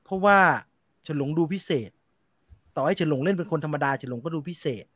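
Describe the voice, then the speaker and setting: High-voiced man chatting about films. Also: quick pace, dry recording, studio quality. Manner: animated, slangy and blunt, reads viewer comments. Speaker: film review show host. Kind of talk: casual film review chat.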